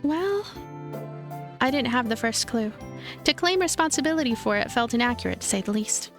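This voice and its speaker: A woman plays a young visual novel heroine. She is polite, guarded and halting, with a high voice. Music sits faintly behind her. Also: lively intonation. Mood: uncertain.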